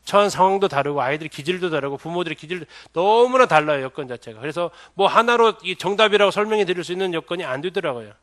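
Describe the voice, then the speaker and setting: Bright-voiced pastor quizzing his audience. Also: sits high, expressive, fast, few pauses. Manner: asks the audience many questions. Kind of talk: church seminar lecture.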